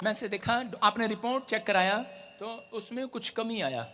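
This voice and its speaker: A man leading a live prayer service as pastor, commanding and repeating his orders in rising shouts. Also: high-pitched, moderate pace.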